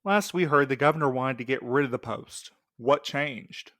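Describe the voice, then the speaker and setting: An actor plays a sarcastic male night courier in an audio drama, wary and skeptical. His middling-pitched voice is recorded close, with no room sound. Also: moderate pace, pushed and bright, no echo, lightly acted. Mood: skeptical, irritated. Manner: dry, skeptical. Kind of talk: scripted audio drama dialogue.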